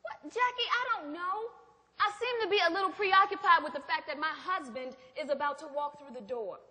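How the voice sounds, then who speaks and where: An actress playing a nervous, exasperated wife in a stage play, pleading and flustered. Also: female voice, very high voice, fairly quick, sharp tone. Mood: uneasy, baffled. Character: Gloria, nervous, exasperated wife under her husband's thumb. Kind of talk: theatrical stage play acting. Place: stage in a theatre hall. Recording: echoey theatre hall.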